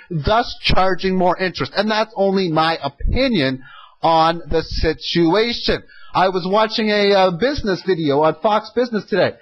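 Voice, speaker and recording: A man hosts an informal audio commentary. He speaks emphatically and with clear opinions. He often sets up rhetorical questions and then answers them himself. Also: high-pitched, fairly bright tone, poor audio. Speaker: host of an economic audio log.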